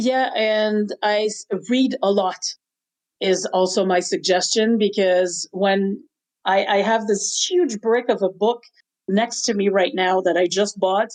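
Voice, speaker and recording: In a slight French Canadian accent, the speaker goes at a fairly slow pace with fairly even intonation and very even loudness. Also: woman, medium pitch for a woman. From Quebec. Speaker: author. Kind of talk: interview. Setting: podcast.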